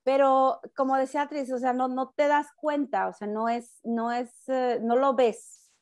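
Appearing as a talk-show guest, a middle-aged woman with a Mexican accent makes casual conversation in a loud, high voice that borders on shouting. Her pitch barely moves and her pace is unhurried, and she frequently breaks off and says things again.

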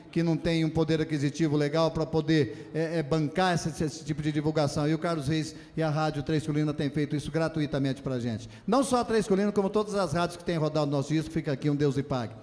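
A man's voice: fairly high pitch, a little mellow. A middle-aged Brazilian man, a country singer, giving a grateful, emphatic thank-you speech from a stage. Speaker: singer-guitarist in a country music duo. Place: stage at a country music event. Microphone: vocal microphone on a stand. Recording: reverberant stage PA sound.

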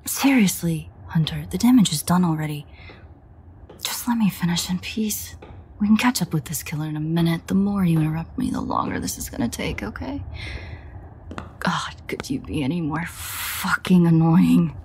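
A woman playing a foul-mouthed, teasing but protective female vampire in an audio drama, with a hushed, breathy, near-whispered delivery. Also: lowish voice, expressive, moderate pace. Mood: coaxing, impatient. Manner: sardonic, swearing, coaxing. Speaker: audio roleplay voice actor. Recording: faint ambient noise, rain.

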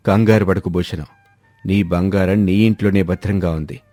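Dark-voiced stern village landlord, played by a man. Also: low voice, fairly even intonation, normal speed, no echo, lightly acted. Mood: grave, reproving. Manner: grave, commanding. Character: shrewd, stern male village landlord exposing frauds. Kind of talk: scripted animated moral-story dialogue. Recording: background music under the voice.

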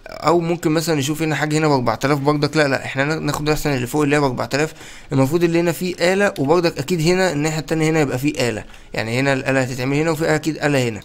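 A young man with an Egyptian Arabic accent giving excitable, chatty let's-play commentary and talking straight to his viewers. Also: on the high side, rapid-fire. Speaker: gaming YouTuber.

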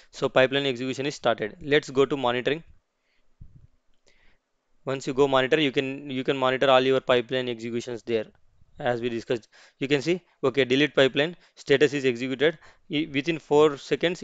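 A man talks through a software tutorial at his computer, narrating every click and often stopping to restart a sentence. His voice is smooth and clear and sits at an ordinary pitch. The recording is dry and a little dull, with no room sound. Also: dry recording. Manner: explains step by step, with many restarts and "okay, see" asides. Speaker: tutorial host.

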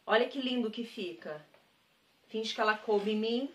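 A woman's voice: fairly high pitch, moderate pace. Gushing Brazilian woman showing thrift finds. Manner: chatty and gushing, repeats praise words; addresses viewers directly as "gente". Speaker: thrift-shop vlogger. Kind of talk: casual haul chat to camera.

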